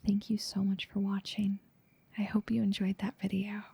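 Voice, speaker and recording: A woman ASMR creator with a soft, breathy, whispery voice, reading out thanks in an outro. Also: medium pitch, monotone, moderate pace, dry recording.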